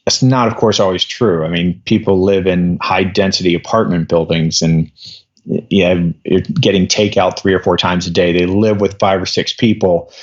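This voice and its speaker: A man in his fifties talks through ideas in a loose, rambling way, circling back and restarting his sentences. His voice sits low, and the audio is dull and muffled, as if recorded with a cheap mic. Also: fairly even intonation, moderate pace. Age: 50s. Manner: rambling explanatory, many restarts. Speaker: guest doctor. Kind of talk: podcast interview.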